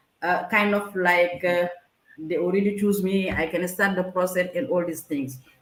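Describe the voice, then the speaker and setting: A woman speaks with audible echo from the room. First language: French. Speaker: agribusiness founder. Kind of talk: interview. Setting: live stream.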